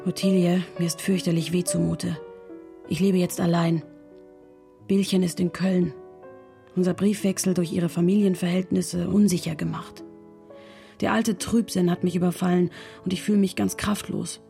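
Sad 1800s lady reading her letter, creaky and mellow, music behind. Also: on the low side, little pitch movement, normal speed. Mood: despondent. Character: melancholy 19th-century woman writing to her confidante. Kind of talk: dramatic reading of historical letters.

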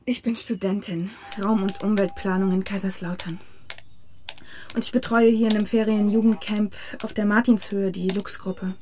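An actress playing an idealistic young student and camp leader in a German audio drama, earnest and conciliatory. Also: female voice, medium pitch, steady tone, normal speed, a little mellow, lightly acted. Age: young adult.

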